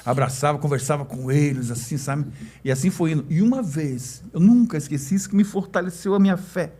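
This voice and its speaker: A quick-paced middle-aged man with a Brazilian Portuguese accent, sharing his testimony as a church elder. His voice sits a bit high but has a dark, mellow tone. He tells the story warmly and acts out the voices of the people in it. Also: breathy edge. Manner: storytelling, acts out quoted dialogue. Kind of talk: emotional personal testimony.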